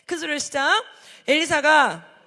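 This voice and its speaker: A woman evangelist preaching a sermon, acting out quoted voices and swinging from shouting to hushed tones. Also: high-pitched, normal speed. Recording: hall with long reverb.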